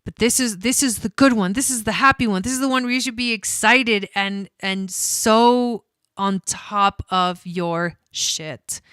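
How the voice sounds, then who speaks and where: A woman's voice: mid-range voice, a little slow, a bit bright, smooth, dry recording. A woman from Argentina, an astrologer hosting a casual livestream, chatty and cursing freely with many fillers. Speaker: astrologer host.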